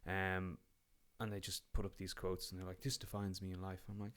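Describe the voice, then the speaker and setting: A man's voice: deep voice, level tone, fairly quick, a bit bright. An Irish man, a podcast guest, talking casually and rambling with frequent ums, restarts and the odd swear word. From Ireland. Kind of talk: casual conversation.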